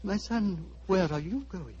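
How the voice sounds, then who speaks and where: A man playing an elderly, gentle abbot who speaks solemnly and paternally, in 1940s radio drama style heard on an old broadcast recording. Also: sits high, expressive, a little slow, faint music behind. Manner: solemn, paternal, calling others "my son". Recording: dull lo-fi vintage radio broadcast.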